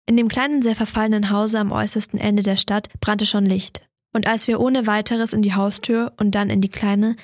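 A woman calmly reading a Christmas story aloud in a measured storytelling manner. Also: medium pitch, no echo, clean studio sound. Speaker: reader. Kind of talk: audiobook narration of a Christmas story.

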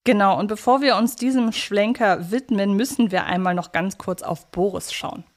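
A woman's voice: medium pitch, normal speed. Woman co-hosting a chatty podcast. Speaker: podcast co-host. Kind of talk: casual chat, analysing a radio play.

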